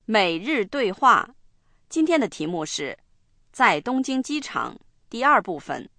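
A woman hosting a radio language lesson, explaining slowly and spelling words out one letter at a time. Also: medium pitch, big pitch swings, sharp tone, no echo. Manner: slow, deliberate explaining and spelling. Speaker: language program host. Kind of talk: bilingual lesson narration.

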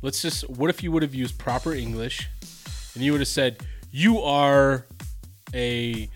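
A man's voice: mid-range voice, fairly quick, faint music behind. A man co-hosting a casual podcast chat, laughing easily and often trailing off mid-thought. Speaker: podcast co-host.

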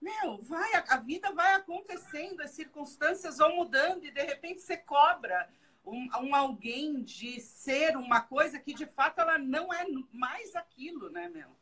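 A woman's voice: sits high, expressive, moderate pace, fairly bright tone, poor audio. A woman with a Brazilian accent in casual chat, agreeing and colloquial, often ending phrases with tag questions.

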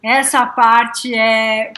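In a casual interview, a Brazilian woman with a Brazilian Portuguese accent tells cheerful, enthusiastic tales of her bike tour as a guest cyclist. She speaks extremely slowly in a sharp, high-leaning voice with little pitch movement.

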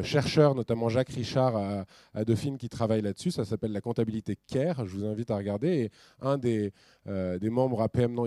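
A middle-aged man from France giving a talk with slides, casual and animated, with ironic asides and many restarts. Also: on the low side, dry recording. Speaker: speaker at a business talk.

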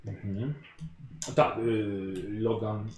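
A man's voice: fairly low pitch, flat delivery, very slow, darkish tone, reverberant, a little hiss or hum. A man as game master, narrating a tabletop game in a descriptive way with filler sounds.

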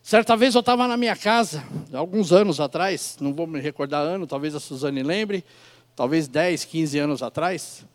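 High-pitched male preacher in his fifties. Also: moderate pace. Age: 50s. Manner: conversational, addresses listeners directly with rhetorical questions. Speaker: pastor preaching to a congregation. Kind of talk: informal sermon with personal storytelling.

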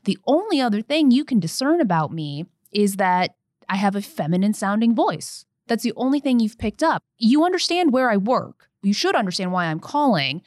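A young woman attorney telling a personal story in an earnest podcast conversation, growing animated as she recounts events. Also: medium pitch, normal speed, no room sound, clean studio sound.

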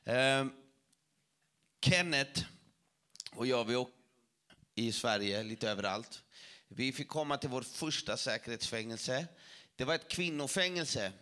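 A man preaching to a church audience, telling a testimony story in a lively way with self-mocking jokes. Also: mid-range voice, long pauses, clear, resonant tone.

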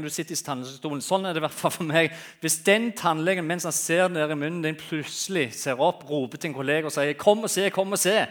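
Animated male preacher telling stories. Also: a little high. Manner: animated storytelling, swinging from loud to quiet. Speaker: guest preacher. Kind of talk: sermon with humorous anecdotes.

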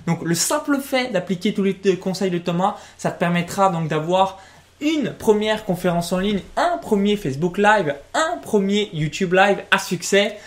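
A man's voice: high voice, animated, moderate pace. Salesy male co-host of a live webinar. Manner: salesy, reads comments aloud. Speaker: co-host reading chat and selling coaching.

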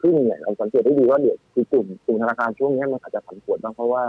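A man giving casual, animated stock-market talk as a guest analyst, with many restarts and fillers. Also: medium pitch, rapid-fire, husky, no room sound. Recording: tinny phone-line audio, faint music.

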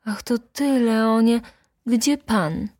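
A woman's voice: a little high, very slow, a little mellow, no room sound, clean studio sound, voice pushed up. A woman voicing an anxious, flustered noble lady who speaks in a feverish, pleading way. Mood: agitated.

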